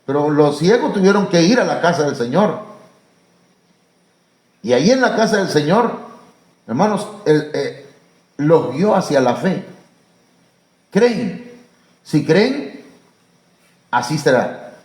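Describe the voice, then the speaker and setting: Echoey preaching Mexican pastor. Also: male voice, a little mellow. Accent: Mexican Spanish. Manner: preaching with frequent fillers, rising to high emphatic calls. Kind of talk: sermon. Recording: echoey church room.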